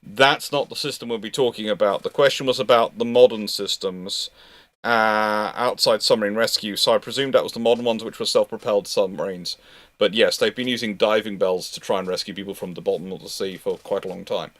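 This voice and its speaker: A man with a fairly low voice and a dry, close sound. He talks informally as a history host fielding questions. His delivery is discursive and halting, as if working out each answer as he goes. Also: steady tone, fairly bright tone, no echo. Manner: halting, discursive, thinking aloud.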